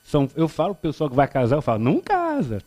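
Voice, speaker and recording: A man's voice: medium pitch, rapid-fire. A man in his fifties with a Rio de Janeiro accent, giving a public spiritist talk as a lecturer, joking and acting out little dialogues as he tells stories. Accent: Carioca Brazilian Portuguese. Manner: animated, joking storyteller who acts out dialogue. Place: lecture hall before an audience.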